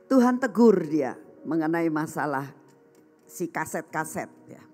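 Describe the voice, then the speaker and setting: Animated woman preacher. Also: low voice. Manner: animated storytelling, acts out quoted voices; addresses the congregation as brothers and sisters. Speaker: evangelist preacher. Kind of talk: sermon.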